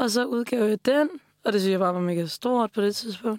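A woman's medium-pitched voice at a fairly slow pace, with ordinary pitch variation, in a very clean recording with a silent background and a dry, close sound with no echo. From Denmark, Odsherred area. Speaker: musician and producer. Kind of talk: casual interview. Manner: hesitant, many fillers.

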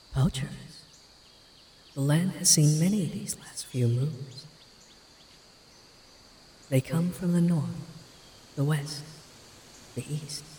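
A put-on character voice, breathy and low-to-middle in pitch, at a fairly slow pace with long, frequent pauses. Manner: airy, distant, wavering like wind.

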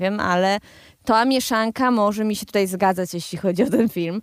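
A woman's medium-pitched voice with fairly even intonation, in a very clean recording with a silent background. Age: 30s. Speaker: film studies student and radio film reviewer. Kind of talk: radio film review monologue. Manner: casual, hesitant with frequent fillers.

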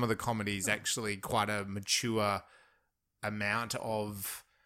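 With an Australian accent, a man talks at a medium pitch in a bright, sharp tone over a very clean recording with a silent background. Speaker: podcast host. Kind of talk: casual chat.

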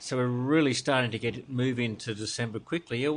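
An Australian accent marks this man's medium-pitched voice. He speaks at a fairly quick pace. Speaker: finance show co-host. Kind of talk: casual chat.

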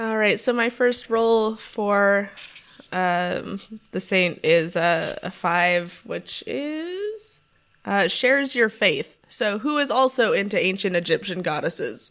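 On a very clean recording with a silent background, a woman with an American accent speaks very slowly, her fairly high pitch carried by lively intonation. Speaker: podcast host. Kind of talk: casual comedy chat and game session.

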